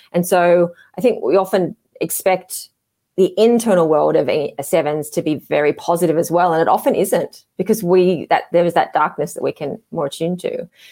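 A woman with an Australian accent, her fairly low, dark, mellow voice at a moderate pace with ordinary pitch variation. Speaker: Enneagram coach. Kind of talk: casual chat.

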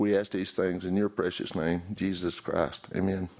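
A man's dark, mellow tone at a moderate pace, with fairly even intonation. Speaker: church elder leading opening prayer and scripture reading. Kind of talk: prayer and scripture reading. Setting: church.

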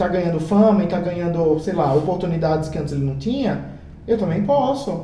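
A man talks with a high pitch and ordinary pitch variation. Room echo is audible, and background noise is noticeable. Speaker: podcast co-host. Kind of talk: casual chat.

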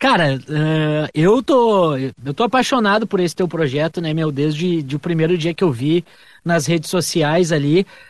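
A man with a southern Brazilian accent and a fairly high pitch talks at a fairly slow pace with ordinary pitch variation, the sound dry and close with no echo against a quiet background. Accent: gaúcho Brazilian Portuguese. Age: 30s. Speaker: podcast host. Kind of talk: casual interview.

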